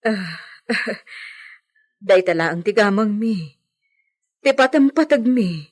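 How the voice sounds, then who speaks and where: Woman doing a kind maid, reassuring her lady, average pitch. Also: animated, takes it slowly. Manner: respectful, reassuring. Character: married housemaid, loyal and reassuring. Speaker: servant. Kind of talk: amateur audio drama acting.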